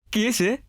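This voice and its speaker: A man's voice: sits high, dry recording, studio quality, full character voice. An actor playing a brash young man who teases and jokes with his friend in a film scene. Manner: mocking, joshing, slangy. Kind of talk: Bengali film dialogue. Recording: film soundtrack under loud music.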